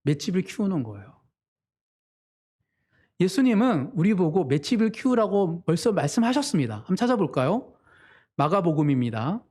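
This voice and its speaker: Male pastor, sermon delivery, earnest, a touch higher-pitched than most men. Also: big pitch swings, normal speed, long pauses, a little mellow, husky. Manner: earnest preaching, voices quoted family members with sudden pitch jumps.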